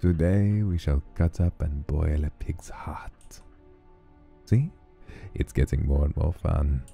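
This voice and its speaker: A man voicing a creepy, cheerful spirit obsessed with smiles, in a put-on German accent, reading game dialogue slowly and theatrically. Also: extremely low pitch, gravelly, dark tone, soft background music, heavily acted. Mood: gleefully macabre. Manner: slow, theatrical, relishing macabre lines.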